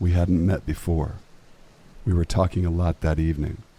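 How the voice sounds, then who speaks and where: Somewhat breathy and with a dark, mellow tone, a man speaks at a fairly quick pace in a very deep, low pitch with fairly even intonation. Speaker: horror story narrator. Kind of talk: reading aloud.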